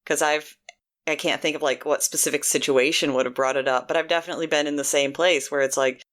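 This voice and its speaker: A woman's voice: low voice, steady tone, fast talker, a bit bright. A woman co-hosting a podcast, talking in a supportive, rambling way with many restarts. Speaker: podcast co-host. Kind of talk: casual podcast conversation.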